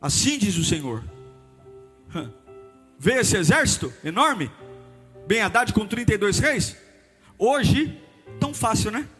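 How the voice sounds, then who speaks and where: Male pastor, high voice, fervent sermon that swings between chanted shouts and hushed lines, faint music underneath. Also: very animated, a little slow, pauses often, breathy edge. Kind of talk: passionate sermon.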